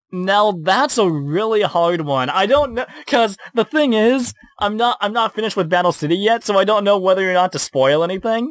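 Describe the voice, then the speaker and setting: The delivery moves at a moderate pace with lively intonation and a dry, close sound with no echo. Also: man. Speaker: YouTuber, anime and card game reviewer. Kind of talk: casual chat. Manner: halting, many fillers.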